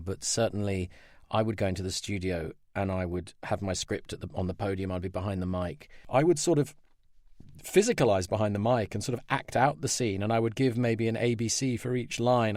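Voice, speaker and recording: A man's voice: lowish voice, a little mellow, dry recording, studio quality. A middle-aged man, a voice actor, talking candidly and outspokenly as a guest in a conversational interview.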